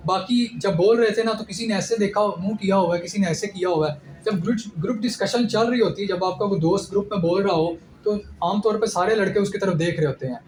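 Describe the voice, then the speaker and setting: A young ISSB candidate gives direct, instructive advice about his selection-board experience in an informal lecture. His voice sits high with a darkish tone, and he talks a little fast with few pauses. The room is echoey, with clear background noise.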